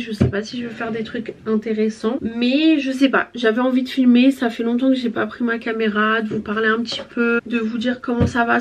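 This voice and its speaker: A young woman, chatting casually while she gets ready, rambling with many fillers, her voice a bit hoarse after being ill. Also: fairly high pitch. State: slightly hoarse voice after illness. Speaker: vlogger.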